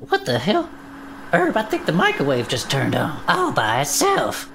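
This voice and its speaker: A man's voice: a little high, wildly swooping pitch, moderate pace, gravelly, over music, full character voice. A man voicing a blunt, folksy small-town man. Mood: tense. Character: rough-talking small-town man, gruff and impatient. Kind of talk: audio drama acting.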